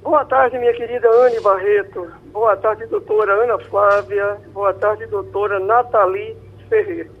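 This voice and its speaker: A man's voice: high-pitched, unhurried. A man, calling in to a radio show. He is courteous and chatty and repeats words as he gets going. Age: 60s. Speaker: radio caller. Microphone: telephone. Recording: tinny phone line.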